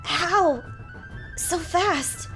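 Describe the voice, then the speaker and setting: A woman voicing a hot-headed, flustered young woman knight in a visual novel game, loud and declamatory. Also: high voice, measured pace, soft background music. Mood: indignant.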